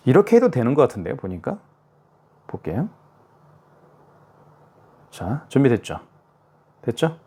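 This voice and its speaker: Casual male demonstrator, mid-pitched, talks through each step, faint hiss and clicks behind. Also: darkish tone. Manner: chatty, self-narrating each step, frequent "자" and "그죠?". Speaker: product demonstrator. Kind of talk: casual product tutorial.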